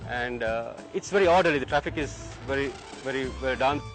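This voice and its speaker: A man's voice: medium pitch, brisk, fairly bright tone, soft background music, poor audio. A man from Sri Lanka answering interview questions casually, with many hesitant fillers. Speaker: interviewed visitor.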